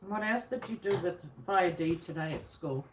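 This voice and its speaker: A woman, chatting at a family dinner table and gently prompting a child what to say. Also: lowish voice, normal speed. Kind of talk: casual family chat. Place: home dinner table, indoors. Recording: roomy, distant, noisy home video.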